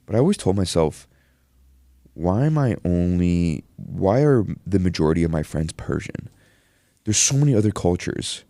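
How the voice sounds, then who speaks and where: A young man raised in Canada, telling stories in a relaxed podcast chat. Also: low-pitched, creaky, no room sound, clean studio sound. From Iran, raised in Canada. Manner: relaxed, storytelling, with fillers. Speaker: podcast host.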